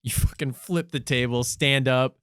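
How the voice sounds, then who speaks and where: A man's voice: mid-range voice, steady tone, moderate pace, a bit bright, clean tone, no room sound, clean studio sound. A male podcast co-host in casual comedic chat, rambling as he spins joking hypothetical stories.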